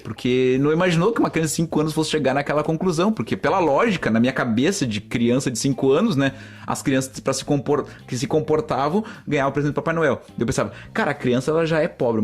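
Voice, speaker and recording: A man's voice: a little high, husky. A man from Brazil, hosting a solo podcast and telling stories in a chatty, rambling way straight to his listeners. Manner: rambling, chatty, often addresses listeners as "gente". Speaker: podcast host. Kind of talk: casual solo podcast storytelling.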